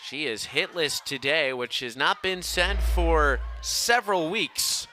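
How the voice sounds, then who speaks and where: Young man, bright punchy play-by-play voice. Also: on the high side, takes it slowly. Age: young adult. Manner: projected, excited on big plays. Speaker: play-by-play sportscaster. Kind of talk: live sports play-by-play commentary. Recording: faint ambient outdoor noise behind.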